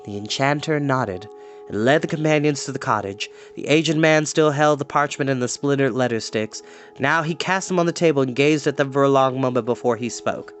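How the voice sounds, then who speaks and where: A man hosting a storytime, chatty and animated, moving between casual talk and story reading. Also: mid-range voice, fairly quick. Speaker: storytime host and reader. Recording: music playing in the background.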